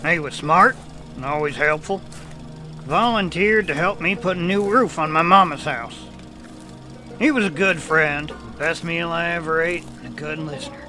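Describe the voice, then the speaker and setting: A man's voice: fairly high pitch, bright, forceful tone, poor audio. A man playing a folksy, word-muddling country man who is secretly a beast, in an audio drama with a Southern American accent. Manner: folksy, drawling, muddles words. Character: folksy rural Louisiana man, secretly a man-eating werewolf.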